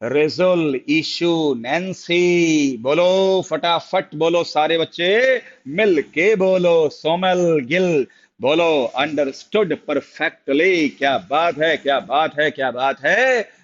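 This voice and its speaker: A man's voice: fairly high pitch, lo-fi sound. A man with an Indian accent teaching chemistry in a live online class, chatty and encouraging, repeating phrases in a sing-song way. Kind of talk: live online class, reading out student replies.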